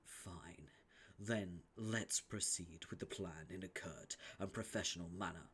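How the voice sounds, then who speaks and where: A man voicing a stiff, haughty young male troll noble, speaking formally in a low, breathy hush. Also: unhurried, heavily acted. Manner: formal, pompous diction, hushed breathy delivery.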